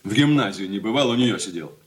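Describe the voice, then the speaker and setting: An actor playing a cold, irritable grown son who answers curtly in a radio play. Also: male voice, lowish voice, expressive, fast, background noise, close to an everyday voice. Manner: curt and dry. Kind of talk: 1980s studio radio play acting.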